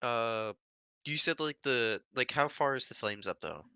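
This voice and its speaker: A man's voice: mid-range voice, animated, unhurried, pushed and bright, smooth, no echo. A man playing a tabletop game, chatting casually with hesitant fillers. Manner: hesitant, fillers, bursts of laughter. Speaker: player. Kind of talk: casual chat while role-playing.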